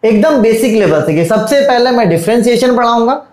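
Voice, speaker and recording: A man's voice: very high-pitched, animated, brisk, darkish tone. Male online tutor, casual and reassuring, repeats key points, echoey room. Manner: reassuring, repeats points, calls students "beta". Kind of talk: casual course introduction. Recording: roomy echo.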